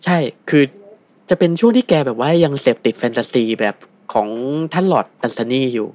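A man telling a story casually as a guest, relaxed, with many fillers. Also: mid-range voice, brisk.

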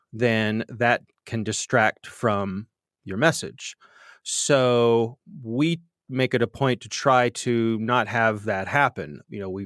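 A man hosting a podcast, chatting with self-deprecating humor and getting animated when he tells stories, with a slightly nasal voice. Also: fairly low pitch, no room sound, clean studio sound. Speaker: podcast host. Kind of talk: conversational interview answers.

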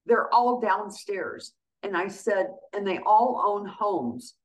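Animated older woman telling stories. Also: medium pitch, takes it slowly, rough recording. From USA. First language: Greek. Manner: animated storyteller, acts out quoted exchanges. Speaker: guest, county treasurer. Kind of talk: conversational radio interview.

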